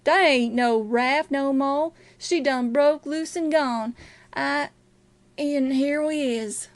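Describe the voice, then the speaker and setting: A woman voicing a frightened, despairing runaway man with moaning, drawn-out Southern dialect. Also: high-pitched, no room sound.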